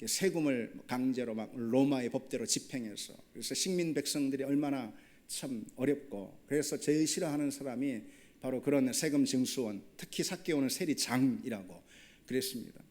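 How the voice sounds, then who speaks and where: A man's voice: medium pitch, moderate pace, darkish tone. A male pastor preaching a sermon, often asking the congregation questions and building toward emphatic points.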